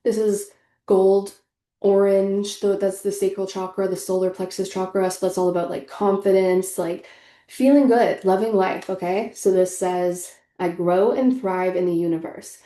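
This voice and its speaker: This young tarot reader has a warm, mid-range voice with fairly even intonation and a moderate pace, though it sounds stuffy and congested. She chats casually and earnestly, full of fillers, and the recording is roomy.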